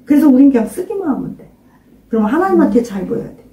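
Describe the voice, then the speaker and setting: A woman's voice: high voice, sing-song, fast talker, slight background noise. Emphatic older woman pastor, roomy echo. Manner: emphatic, questioning listeners, urging loud prayer. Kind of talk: informal sermon to a small congregation. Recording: roomy echo, mic at a distance.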